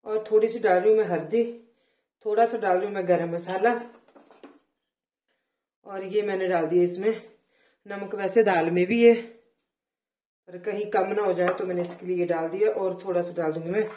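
A middle-aged woman with a Himachali Hindi accent, chatting loudly and complaining a little as she cooks in her home kitchen for her vlog. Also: mid-range voice, steady tone, moderate pace, pauses often. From Himachal Pradesh, India. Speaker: cooking vlogger. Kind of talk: casual cooking vlog chat. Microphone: phone placed away from her. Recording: roomy phone audio from a distance.

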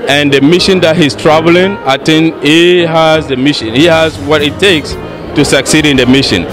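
Earnest Ghanaian man, slightly high voice. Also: steady tone, moderate pace. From Yendi, Ghana. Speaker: interviewed supporter and friend. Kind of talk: on-location interview answers. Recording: music behind.

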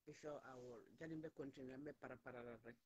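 Husky-voiced woman on a phone live stream. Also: extremely low pitch, steady tone, fast talker, a little mellow. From Gambia. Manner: heated, scolding, repeating lines for emphasis. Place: indoors, small room, plain wall. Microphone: phone at arm's length.

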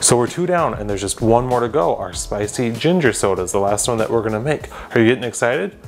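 A young man hosting a home cooking demonstration in his kitchen, talking straight to the viewer with deadpan joking asides. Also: mid-range voice, quick pace, creaky, noisy background. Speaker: cooking show host.

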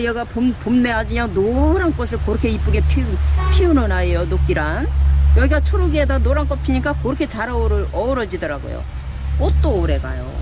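A woman's voice: medium pitch, background noise. A woman who sells plants, chatting casually and fondly as she shows her stock in a plant shop and calls each plant a little child. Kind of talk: casual product showcase.

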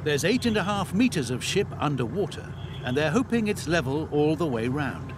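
A man narrating a documentary in a measured, storytelling voice. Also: fairly high pitch, big pitch swings. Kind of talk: scripted narration. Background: music.

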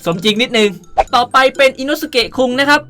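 A young man talks through a casual gaming tutorial in a bright, forward voice. He is playful and animated, ending sentences in a cute, polite way. Music plays behind him. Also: extremely high pitch, fast talker, smooth. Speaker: gaming video host. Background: background music.

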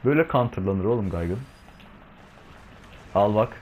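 A man's voice: lowish voice, animated, normal speed, phone-quality sound, slight background noise. A young man giving casual let's-play commentary at home, slangy and bantering with the game's monsters and his cat. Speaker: gaming video host.

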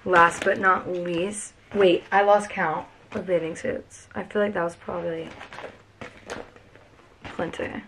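A woman's voice: lowish voice, fairly even intonation, slow pace, background noise. A young woman, chatting and gushing through a casual packing vlog in a cluttered bedroom, recorded by a camera a few feet away. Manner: chatty, gushing, lots of "like" and "freaking". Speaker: vlogger. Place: cluttered bedroom, sitting on the floor.

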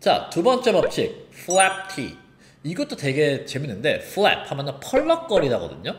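Male online teacher, fairly high and very animated, pronunciation lesson, roomy echo. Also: unhurried, a little hiss or hum. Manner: lively, explains and demonstrates sounds. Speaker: English teacher.

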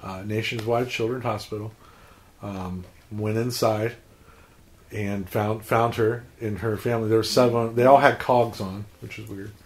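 A man hosting a podcast, telling a comic story in a halting, deadpan, profane way. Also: lowish voice. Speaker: podcast host.

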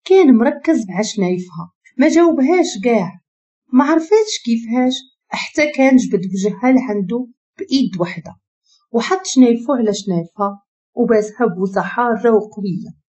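A woman with a Moroccan accent narrating a dramatic story in an expressive, emotive way. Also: fairly high pitch, a little fast.

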